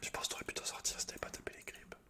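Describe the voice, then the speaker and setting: A man whispering casual, slangy, sweary ASMR commentary while he plays a video game, in a breathy unvoiced whisper. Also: very fast, bright, forceful tone. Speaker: host of an ASMR gaming channel. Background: computer keyboard clicks and typing.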